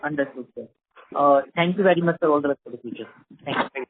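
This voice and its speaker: Fast-talking caller on a dry phone line. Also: male voice, on the high side. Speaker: caller asking questions. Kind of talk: polite question on an earnings call. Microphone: telephone.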